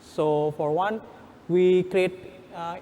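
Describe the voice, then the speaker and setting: Male workshop presenter, Indonesian accent, slightly high voice. Halting, instructional, non-native English. Reverberant hall sound. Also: fairly even intonation, mellow, a little hiss or hum.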